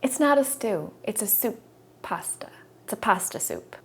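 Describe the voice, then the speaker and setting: A woman's voice: fairly high pitch, expressive, normal speed, slight background noise. A young woman in her twenties hosting a casual cooking video in her home kitchen, chatty and upbeat as she explains each step. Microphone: small lapel mic.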